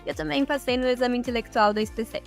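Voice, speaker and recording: Friendly young woman, higher voice. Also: fast, gravelly, faint music behind. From Rio de Janeiro state, Brazil. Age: 20s. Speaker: approved medical student. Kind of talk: short testimonial.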